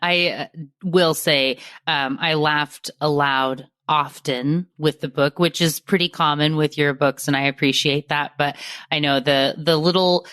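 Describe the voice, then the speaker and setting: A woman's voice: low voice, steady tone, unhurried, fairly bright tone, no echo, clean studio sound. A woman hosting a podcast interview, friendly and appreciative, who laughs easily. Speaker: podcast host.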